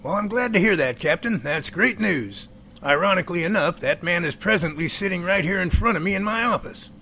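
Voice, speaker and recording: A man's voice: high-pitched, lively intonation, fairly quick, pushed and bright, a little hiss or hum, heavily acted. A man playing a genial middle-aged professor in an amateur audio drama, with courteous, folksy phrasing. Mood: pleased. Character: genial middle-aged professor running a Bigfoot research center.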